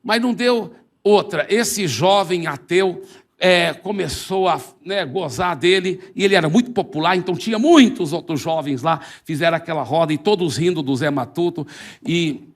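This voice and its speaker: A man preaching a sermon with a Brazilian Portuguese accent, telling a story and acting out its dialogue in an animated way. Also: on the high side, moderate pace.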